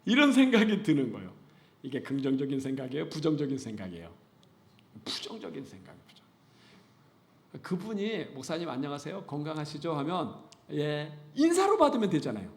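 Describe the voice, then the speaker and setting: A middle-aged pastor preaching a sermon in a church. He is animated and playful, laughs through his points, rises to loud emphasis and drops to whispers. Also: a little high, normal speed, vocal fry. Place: church sanctuary. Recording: roomy church echo.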